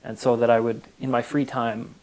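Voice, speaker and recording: A young Canadian man in his twenties, talking through interview questions. He speaks earnestly and at an even pace, dropping in plenty of "uh" and "um" as he goes. His voice sits in a middle register for a man. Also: medium pitch, moderate pace, poor audio. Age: 20s. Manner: earnest, steady, with frequent fillers. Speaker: interview guest. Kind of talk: casual interview answers.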